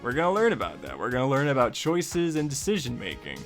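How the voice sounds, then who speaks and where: A man teaches in an informal, chatty tutorial style, with a middling pitch. He leans on repeated phrases to drive points home and talks to the listener directly, as a host would. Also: wildly swooping pitch, quick pace, soft background music. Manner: informal, repeats phrases for emphasis, acts out example remarks. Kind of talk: casual, conversational writing lesson.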